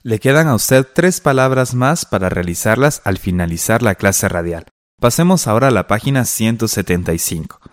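Lively-voiced male radio teacher. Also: on the low side, normal speed, no room sound, studio quality. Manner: clear, instructive, reading out exercise instructions. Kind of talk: scripted radio lesson.

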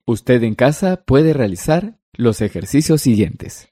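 A man's voice: mid-range voice, very animated, unhurried, mellow, no room sound, clean studio sound. A man co-teaching a language lesson on a broadcast, reading examples and explaining them.

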